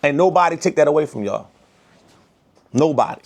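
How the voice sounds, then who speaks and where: A fairly high-pitched man with an African American Vernacular accent talks straight to the camera in an emphatic, preaching way. He is from the United States and leans heavily on slang. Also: lively intonation, moderate pace, gravelly. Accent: African American Vernacular English. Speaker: vlogger. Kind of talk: direct-to-camera commentary.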